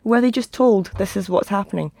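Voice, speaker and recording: A woman speaks with a husky croak and a lot of gravel in her tone. She argues her points as a football pundit, recorded close and dry in a studio. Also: mid-range voice, brisk, dark tone, no echo. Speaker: podcast guest, football pundit. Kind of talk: lively opinionated football discussion. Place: podcast studio.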